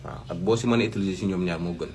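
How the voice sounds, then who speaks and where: A man's voice: deep voice, rapid-fire, a little mellow. A Senegalese man, host of a health channel, explaining advice to viewers in an instructive way with emphatic repetition. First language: Wolof.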